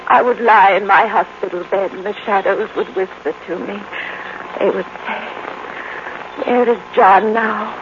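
A woman's voice: medium pitch, steady tone, a little slow, natural voice. An American actress playing a brooding, jealous, unhinged woman with intense, ominous delivery in 1950s radio melodrama. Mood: brooding, menacing. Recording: muffled, noisy old radio recording.

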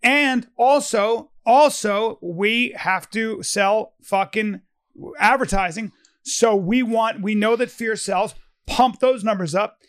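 A man's voice: high voice, slow pace, fairly bright tone, smooth. A man in his fifties co-hosting a casual podcast, arguing animatedly, cutting in with repeated "but wait" and swearing freely. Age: 50s. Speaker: podcast co-host. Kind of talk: casual debate chat.

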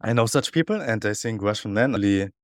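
A man's voice: on the low side, lively intonation, fairly quick, dry recording. Male podcast host asking questions, dry sound. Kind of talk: interview questions.

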